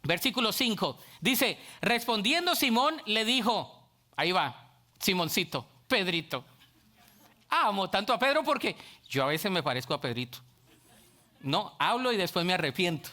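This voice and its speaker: Pastor guy, high bright voice, really animated preaching, does little voices of church folks. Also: moderate pace. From Colombia. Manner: lively preaching, acts out voices of church people. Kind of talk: sermon.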